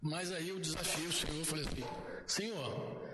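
A man preaching informally to church leaders, telling stories in a blunt, slangy, animated way. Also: on the high side, moderate pace. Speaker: pastor. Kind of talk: informal sermon talk. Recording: echoey hall with noise.

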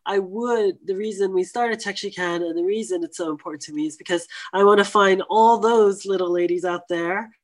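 Interview guest: woman, 40s, from New York, animated storyteller who mimics voices. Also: mid-range voice, fairly quick, hardly any pauses. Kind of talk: conversational interview.

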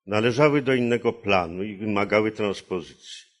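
A man with a very deep, low voice reads literary prose aloud at an unhurried, measured pace. He is a translator presenting his own text with careful attention to rhythm and phrasing. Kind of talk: reading aloud and discussing a translation.

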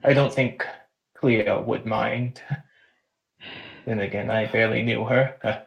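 A man's voice: fairly low pitch, fairly even intonation, creaky, highs cut off. A man playing in a tabletop game, speaking hesitantly. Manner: hesitant, halting. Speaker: player. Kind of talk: casual tabletop role-play.

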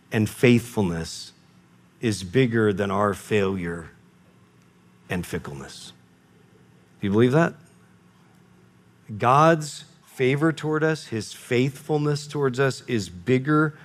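A man preaching a sermon to his congregation in an earnest manner, often restarting and correcting himself mid-sentence. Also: medium pitch. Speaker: pastor.

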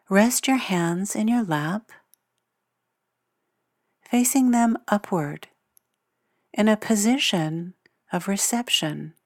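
A woman leading a guided meditation in a soothing, measured way, leaving long pauses between phrases. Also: medium pitch, no echo, studio quality. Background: meditation music with singing bowls.

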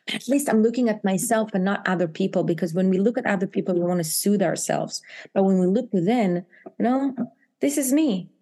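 A woman from Israel with an Israeli accent, an author talking animatedly about her book in an interview, often laughing and jumping higher for emphasis. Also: lively intonation, a little fast, mellow. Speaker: author guest. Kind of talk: interview chat.

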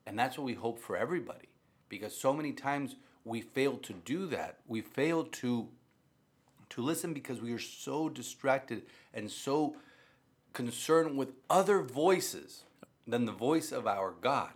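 A man's voice: medium pitch, animated, measured pace, husky. A man who is a Catholic priest and grew up speaking Spanish, talking conversationally about faith and repeating phrases for emphasis. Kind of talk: conversational religious talk.

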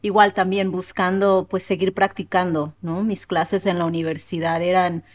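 Low-voiced Mexican woman. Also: normal speed. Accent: Mexican Spanish. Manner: relaxed, uses fillers like pues and no. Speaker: language teacher, guest. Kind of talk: casual conversation.

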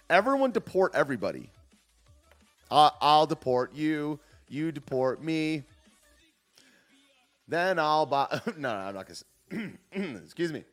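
Male stream host, casual commentary, joking and rambling, lively swooping pitch, faint music underneath. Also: slow pace, long pauses. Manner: joking, rambling, trails off and restarts. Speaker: livestream host. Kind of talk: casual commentary, reading chat.

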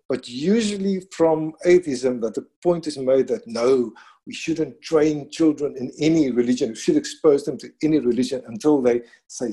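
A middle-aged man with a non-native English accent, speaking thoughtfully in a conversation, with frequent restarts and pauses. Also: fairly high pitch, warm tone, husky. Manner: thoughtful, halting, with many restarts. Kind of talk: conversational discussion.

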